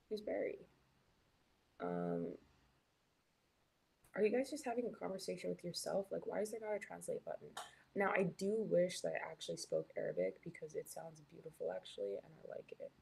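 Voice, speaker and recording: A woman's voice: lowish voice, creaky, warm tone, breathy edge. A young woman from Canada, chatting casually as a live stream host while reading her chat, with lots of "like" and "um". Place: hotel room.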